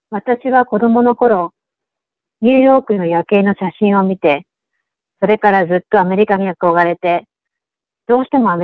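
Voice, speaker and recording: An ordinary speaking voice from a woman, at medium pitch, moderate in pace, with ordinary pitch variation. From Japan, Toyama. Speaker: political supporter. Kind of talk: radio talk.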